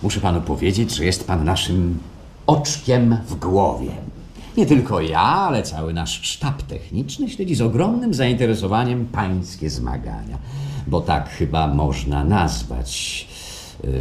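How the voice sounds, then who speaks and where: An actor in a radio play playing an effusive, courteous, inquisitive clinic administrator, with halting, fawning politeness. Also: male voice, sits low, big pitch swings, a little mellow, exaggerated voice. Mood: probing politeness. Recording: faint background noise, live stage.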